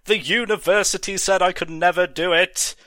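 A ranting mad scientist, as a man puts him on, shouting and gloating in a dry, close recording. Pitched up and loud, he sounds unhinged in this comic story reading. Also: unhurried, no echo, close to an everyday voice.

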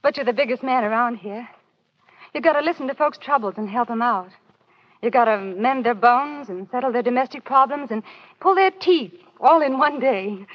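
An actress playing a devoted young wife from a small town, warm and reassuring, in an old radio drama. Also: female voice, a little high, natural voice. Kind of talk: 1930s radio drama acting. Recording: dull old radio broadcast.

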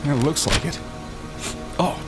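A man playing a glib, excitable, reckless treasure hunter in an audio drama. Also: a little high, unhurried, loud music behind the voice. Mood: wry, casual.

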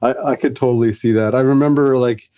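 A middle-aged man from Fiji, appearing as a podcast guest, chats casually in a casual conversational interview, rambling with lots of fillers and restarts. His voice is medium-pitched, smooth and dark, quick-paced, with fairly even intonation.

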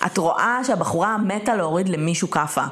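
A young woman co-hosting a podcast in casual chat, emphatic and animated, often checking in with "okay?". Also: lowish voice. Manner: animated, emphatic, peppers talk with "okay?" and "right?". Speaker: podcast co-host.

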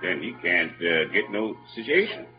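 An actor playing Jim, a simple-hearted kindly man who speaks in a rural Southern dialect, in an old-time radio drama. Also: normal speed. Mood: puzzled, earnest. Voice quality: lively, swooping between low mutters and high exclamations. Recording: dull lo-fi old radio recording with music.

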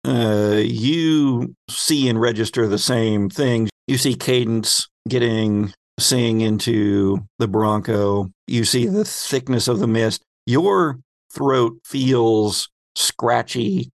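A man runs a tabletop game as game master, setting scenes in careful, descriptive detail. His mid-pitched voice pauses as he searches for words, and the sound is close and dry. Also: no echo. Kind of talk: improvised tabletop game narration.

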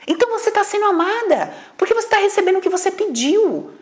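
A woman's voice: very high-pitched, sing-song, fast. A woman teaching a class as a therapist, blunt and emphatic, firing off rhetorical questions and swearing casually. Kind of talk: spirited lecture to an audience.

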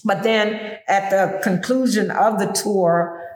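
A woman from the Gullah Geechee community of Pinpoint on the coastal southern US, whose first language is Gullah, works as a tour guide and explains things instructively in an interview. She has a Southern Black Gullah Geechee accent and a mid-range, slightly mellow voice with fairly even intonation and an unhurried pace. The recording is reverberant with slight background noise.

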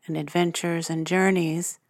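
A woman guiding a sleep meditation in a soothing, hushed, measured manner with long pauses between phrases. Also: on the low side, flat delivery, dry recording, studio quality. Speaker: meditation guide, podcast host. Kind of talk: guided sleep meditation narration. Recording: music under the voice. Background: soft guitar and piano music.

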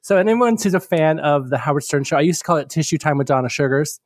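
A man with a fairly high voice talks like a campy drag queen, gushing as he chats. The sound is close and dry, like a casual podcast guest spot. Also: lively intonation, fast, no room sound. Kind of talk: casual chat.

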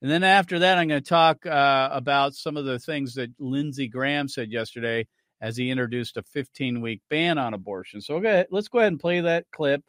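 A man's voice: mid-range voice, brisk, fairly bright tone, dry recording, clean studio sound. A man hosting a radio talk show, giving opinionated, argumentative commentary and cueing clips to play.

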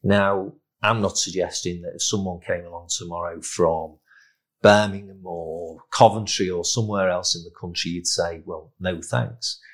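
A man with a fairly low voice hosts a business podcast. He speaks emphatically, with a salesman-like push in his delivery as he presents. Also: steady tone, moderate pace. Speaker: podcast host. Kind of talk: podcast interview and promotional announcements.

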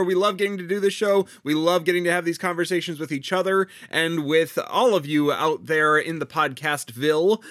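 A man co-hosting a casual theater podcast, talking haltingly with lots of restarts and a slight gravel in his voice. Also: on the high side, fairly bright tone, dry recording, clean studio sound. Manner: halting, many fillers and restarts, riffing. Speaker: podcast co-host. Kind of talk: casual podcast chat and patron thanks.

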